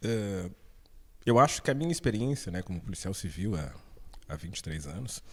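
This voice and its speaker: A man talks in a fairly low pitch, keeping to a moderate pace. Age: 50s. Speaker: police officer, council candidate. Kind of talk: interview. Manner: halting, many fillers.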